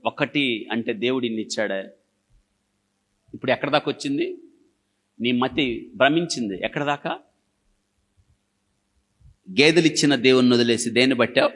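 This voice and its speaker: A man's voice: medium pitch, a bit bright. A male pastor preaching a sermon in short bursts, firing repeated questions at the congregation and telling everyday stories to make his point.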